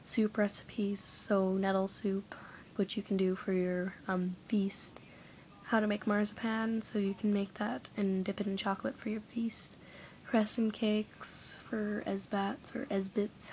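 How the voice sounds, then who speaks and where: A woman's voice: mid-range voice, darkish tone, a little hiss or hum, low-quality recording. A young woman vlogging at home, rambling casually with lots of fillers and often slipping into a half-whisper. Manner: chatty, rambling, many "like" fillers. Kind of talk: casual vlog chat. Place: dim room at home lit by candles.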